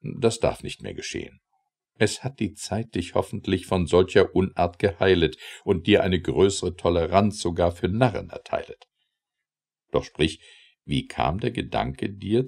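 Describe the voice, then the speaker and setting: A man voicing a stern, motherly goddess who reproves and questions a traveler in measured verse. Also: deep voice, big pitch swings, creaky, a little mellow, husky, exaggerated voice. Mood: gently reproving.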